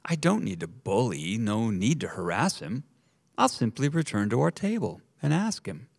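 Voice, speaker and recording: A man voicing a calm, gently firm older Jewish mother in a rhyming story. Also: mid-range voice, normal speed, gravelly. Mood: serene.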